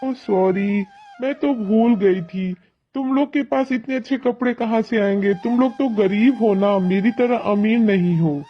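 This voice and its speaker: Guy voicing a stuck-up rich girl, high voice, sneery and slow, muffled audio. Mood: boastful. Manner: mocking, boastful. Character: spoiled arrogant rich young girl. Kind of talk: animated storybook narration. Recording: dull lo-fi audio, faint music.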